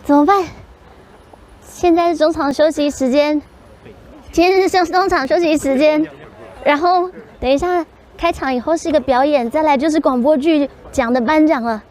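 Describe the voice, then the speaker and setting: A woman with a Taiwanese Mandarin accent in excited, casual chat as she watches an awards night. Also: high-pitched, normal speed. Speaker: voice actress vlogging an awards night.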